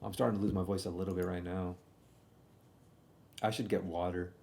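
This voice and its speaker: A man's voice: deep voice, level tone, fairly quick, darkish tone. A young man telling a casual, slangy stream story, often doubling back and repeating himself as he comments on old videos.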